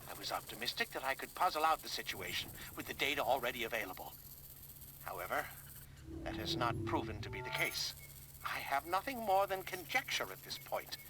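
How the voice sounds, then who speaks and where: A male actor plays a reserved inventor in a video game. He explains things in wordy, precise, formal phrases at a middle pitch. Clear noise sits behind the voice. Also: natural voice.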